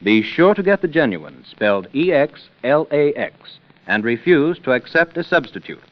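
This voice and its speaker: A man's voice: mid-range voice, sing-song, normal speed. A male radio announcer reading a scripted advertisement persuasively. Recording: dull old radio recording with music.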